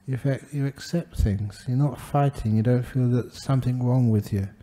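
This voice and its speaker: An older man gives an unhurried Buddhist talk with gentle humor. His voice sits at an everyday pitch but sounds deeply dark and mellow. His delivery is warm in pace and easygoing. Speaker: Buddhist monk giving a dharma talk. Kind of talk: relaxed dharma talk with anecdotes.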